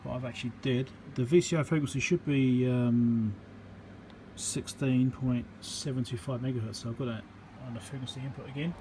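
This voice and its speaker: A man giving a hands-on electronics repair demonstration, thinking aloud in an informal, halting, step-by-step way. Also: medium pitch. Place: indoor repair workbench. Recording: steady background hum and room noise.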